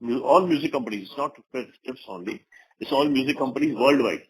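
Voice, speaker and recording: A man's voice: medium pitch, expressive, brisk. A man with an Indian accent answering investor questions as a company executive on a conference call, often repeating words for emphasis. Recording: noisy conference phone call.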